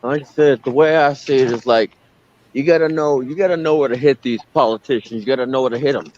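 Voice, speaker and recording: A man's voice: mid-range voice, fast, darkish tone, a little hiss or hum. Ranting man with a dull sound. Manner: blunt, colorful rants. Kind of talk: casual live-stream chat.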